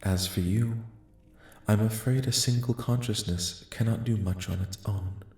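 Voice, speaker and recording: A man playing a calm, benevolent alien envoy in a soft-spoken ASMR roleplay, speaking formally and solemnly in a measured, soothing way. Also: on the low side, natural voice. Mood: reassuring. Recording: echoing, reverberant voice track.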